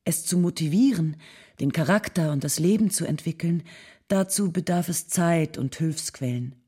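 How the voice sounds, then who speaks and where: An earnest nineteenth-century lady reading her letter aloud. The voice is husky and dark, on the low side, and she speaks formally and with tactful persuasion. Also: normal speed. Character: Ottilie von Goethe, earnest, tactful 19th-century lady writing condolences.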